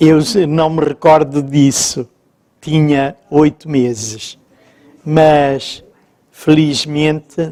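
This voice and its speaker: The tone is dark and mellow, with monotone, flat intonation. Delivery is very slow, with long, frequent pauses. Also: man, fairly high pitch for a man. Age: 70s. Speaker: priest. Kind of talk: conversational interview.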